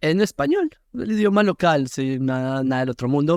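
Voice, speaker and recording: The voice shows ordinary pitch variation on a very clean recording with a silent background and a dry, close sound with no echo. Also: man. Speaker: Israeli soldier and religious content creator. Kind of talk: podcast interview. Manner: hesitant, many fillers.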